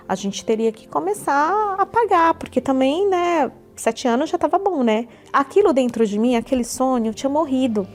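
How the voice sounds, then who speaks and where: A fairly high-voiced woman with a Brazilian accent tells her testimony in an earnest, repetitive way. Soft music plays faintly underneath her voice. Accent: Brazilian Portuguese. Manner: earnest, repeats herself often. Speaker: church member giving a testimony. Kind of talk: personal testimony.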